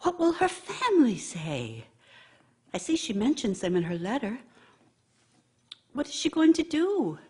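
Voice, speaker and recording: An actress playing a bitter, long-suffering wife in a radio play, nagging and scornful, with a husky voice. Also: female voice, a little high, huge pitch swings, a little slow, long pauses, dark tone, heavily acted. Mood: bitter, needling. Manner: scornful, reproachful, needling. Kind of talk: radio theater monologue.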